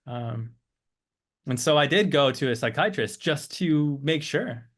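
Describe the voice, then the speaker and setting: A man's voice: a little high, expressive, a little slow, a bit bright. A man in his thirties from Switzerland and the United States, reflecting on personal experience as an interview guest, often searching for words.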